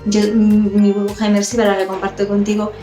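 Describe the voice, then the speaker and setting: A woman's voice: medium pitch, monotone, brisk, dark tone, reverberant, soft background music. A woman teaching English pronunciation, explaining and demonstrating sounds and often checking in with the listener. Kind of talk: explanatory lesson.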